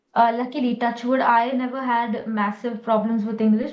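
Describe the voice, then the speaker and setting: With music in the background, a woman speaks at a fairly high pitch and a moderate pace, her intonation monotone and flat. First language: Indian language, not English. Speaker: student. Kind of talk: panel discussion.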